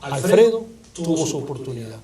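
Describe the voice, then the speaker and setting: A man's voice: a little high, very animated, normal speed. Male host, Christian TV show, affirming, crowd noise behind. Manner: affirming, says amen often. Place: TV studio.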